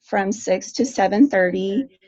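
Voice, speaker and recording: A woman speaks as the host of an online session. Her voice echoes as if she were in a big hall, and it comes through dull and lo-fi over the call. She makes her closing announcements briskly and apologizes for the sound. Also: mid-range voice, warm tone. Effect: echoing from a big hall. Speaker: event host.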